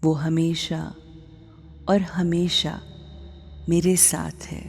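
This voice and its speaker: A woman leading a spiritual guided meditation, speaking softly and deliberately in breathy phrases with long pauses. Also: deep voice, level tone, a little hiss or hum.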